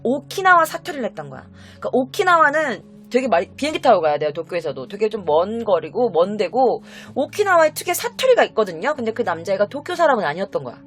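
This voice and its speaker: A woman host telling a true-crime story in a casual, animated way, speaking directly to her viewers. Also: mid-range voice, quick pace, soft background music. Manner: animated, acts out quotes, addresses viewers.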